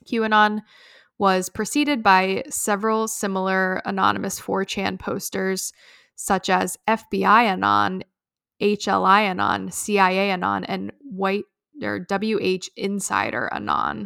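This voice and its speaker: A woman at a fairly slow pace, in a very clean recording with a silent background. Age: 20s. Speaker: podcast co-host. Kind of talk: reading aloud; casual chat.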